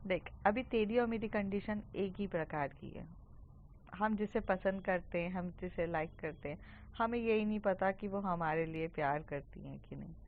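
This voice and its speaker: A woman voicing a teenage schoolgirl who gently reassures a friend, in a soft manner. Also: medium pitch, moderate pace, phone-quality sound, a little hiss or hum, lightly acted. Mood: reassuring.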